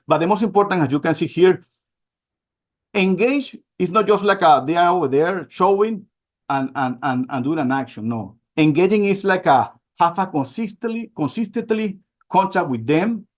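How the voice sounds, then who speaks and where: A man from Venezuela, presenting slides on a webinar in halting speech with many repeats and fillers. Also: on the high side. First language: Spanish.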